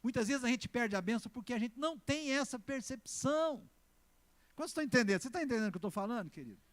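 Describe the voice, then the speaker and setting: A man with a Brazilian Portuguese accent preaching a sermon as pastor. He is emphatic, swings between loud exclamations and slow, stressed words, and keeps calling on the congregation to answer. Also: very high voice, animated. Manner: asks the congregation for responses.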